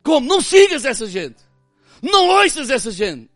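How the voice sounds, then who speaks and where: High-voiced preacher with European Portuguese accent. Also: male voice, very animated, normal speed, no room sound, studio quality, faint music behind. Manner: impassioned preaching, swinging from loud to hushed. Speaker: pastor. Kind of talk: sermon.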